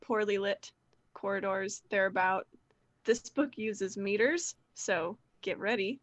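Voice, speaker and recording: Relaxed woman narrating a tabletop game. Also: medium pitch, slow, no echo. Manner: loose, full of fillers and laughs. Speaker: game master.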